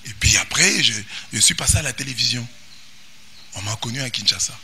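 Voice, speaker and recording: A man with a Congolese French accent, a priest giving an animated sermon that often rises to shouts and singsong. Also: medium pitch, fairly quick, slight background noise. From Democratic Republic of the Congo. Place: parish church.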